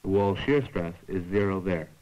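A man giving formal, measured scripted narration for an educational science film, explaining carefully like a lecturer. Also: deep voice, a little mellow, lo-fi sound.

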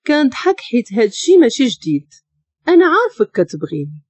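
A woman's voice: on the high side, wildly swooping pitch, fast, breathy edge, no room sound, heavily acted. Cold young husband, read by a Moroccan woman. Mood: dismissive.

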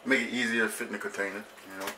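A young man talking casually as he cooks in a small home kitchen, relaxed and repeating "you know what I'm saying.". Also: fairly low pitch, very fast, very noisy. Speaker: vlogger cooking at home. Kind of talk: casual cooking vlog talk. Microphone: camera across the kitchen.

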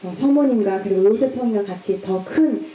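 Warm-voiced woman interpreting a homily. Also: medium pitch, brisk. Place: church. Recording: echoey church hall.

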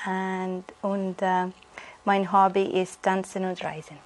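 Slow-speaking woman from Estonia. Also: medium pitch, completely flat delivery. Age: 20s. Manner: hesitant, with fillers. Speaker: exam candidate. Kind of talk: spoken language exam answers. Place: indoor room.

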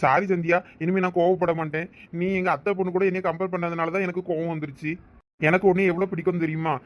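A man's voice: high-pitched, little pitch movement, fast talker, muffled recording, natural voice. A man voicing a pushy, lovesick young man in a cartoon, demanding and insistent. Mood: pleading.

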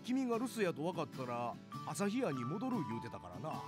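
A man voicing a kindly, easygoing older gentleman with a Kansai accent in a visual novel, gentle and reassuring. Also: on the high side, sing-song, very fast. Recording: game audio with music behind.

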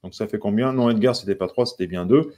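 A French music teacher with a lowish, dark voice talks fast during a live songwriting lesson. He patiently counts syllables along with viewers and greets them by name.

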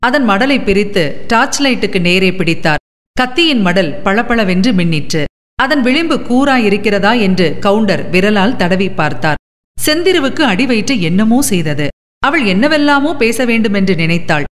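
A woman narrates a novel for an audiobook, measured and dramatic in her delivery. Her voice sits at a middling pitch, and a long reverb trails after her words. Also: animated.

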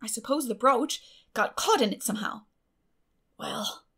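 Woman acting a stern older storybook spinster, brisk, plain-spoken, firm, creaky. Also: on the high side, wildly swooping pitch, fairly bright tone, heavily acted. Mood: baffled. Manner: brisk, firm, matter-of-fact.

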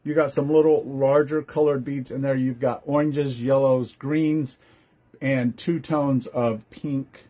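A man's voice: mid-range voice, steady tone, takes it slowly, mellow. A man hosting a casual live-stream jewelry sale, chatty and upbeat, greeting viewers by name as he shows each piece.

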